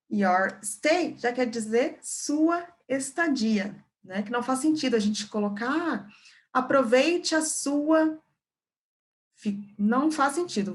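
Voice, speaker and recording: A Brazilian woman teaching English vocabulary at a patient pace, with a voice sitting a little higher than most. She repeats key words and keeps checking in with her learners as she explains. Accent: Brazilian Portuguese.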